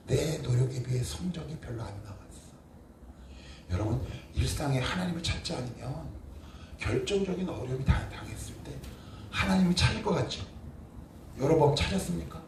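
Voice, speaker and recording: A male pastor preaching a sermon emphatically, posing rhetorical questions and answering them himself, moving between quiet and forceful delivery. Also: medium pitch, gravelly. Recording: roomy echo, distant mic, faint noise.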